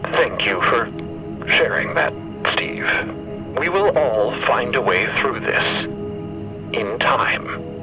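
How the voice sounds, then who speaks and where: A man playing a composed, eloquent crew member in an audio drama, speaking in measured, deliberate, gently mournful oratory. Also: mid-range voice, lively intonation, dull audio, music in the background. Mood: consoling, solemn. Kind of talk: acted audio drama monologue.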